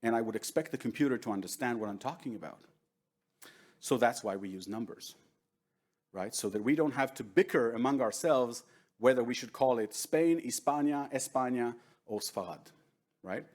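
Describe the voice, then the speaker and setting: A man's voice: mid-range voice, moderate pace, darkish tone. A middle-aged man whose first language is Hebrew, giving a conversational lecture at a conference and often asking the audience "right?". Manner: conversational, keeps checking in with "right?". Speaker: workshop presenter. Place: large conference room with seated audience.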